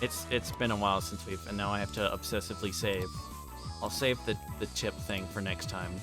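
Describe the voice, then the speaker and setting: A man's voice: fairly low pitch, steady tone, fairly quick. Rambling male livestreamer over music. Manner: rambling, flustered, self-interrupting. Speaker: livestreamer playing a visual novel. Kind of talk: casual livestream chat and story read-aloud. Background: game music.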